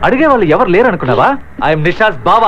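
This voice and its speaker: Pompous brother-in-law. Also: male voice, sits high, sing-song, rapid-fire, fairly bright tone, a little hiss or hum. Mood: haughty. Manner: haughty, mixing in English. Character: pompous citified brother-in-law, fussy and hungry. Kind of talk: dubbed film dialogue. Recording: dull dubbed film audio.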